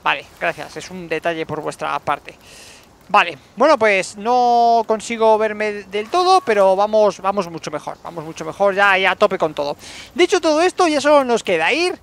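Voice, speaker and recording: A man commentating his survival game playthrough, excitable, shouting when fights turn chaotic. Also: sits high, moderate pace, creaky. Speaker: gaming YouTuber. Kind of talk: let's play commentary.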